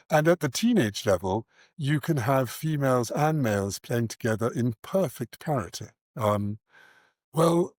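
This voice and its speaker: A man's voice: medium pitch, dry recording. Earnest middle-aged man, close dry recording. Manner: earnest, articulate, measured with pauses. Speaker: interview guest, charity founder and cricket coach. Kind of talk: reflective interview answers.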